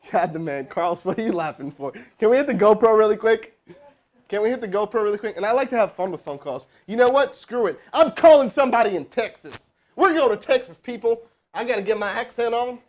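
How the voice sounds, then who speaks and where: Pumped-up man coaching live, pitched a bit high. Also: fairly quick. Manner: energetic, pumped-up, casual, with chatty asides. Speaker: sales trainer hosting a live stream. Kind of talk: hyped live-stream coaching and cold calling. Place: indoor room with crew present.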